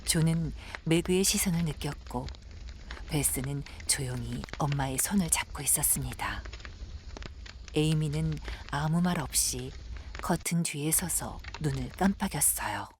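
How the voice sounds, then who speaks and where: A woman professional narrator reading a scripted audio drama in a measured, gentle storytelling manner. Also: sits low, expressive, background noise.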